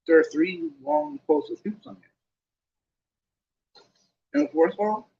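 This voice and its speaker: A man's voice: extremely high pitch, sing-song, slow pace, creaky, mellow, voice pushed up, full character voice. A man voicing a schoolboy who explains rules in a heavy, resigned way. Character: patient schoolboy explaining a sport, a bit weary. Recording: dull lo-fi recording.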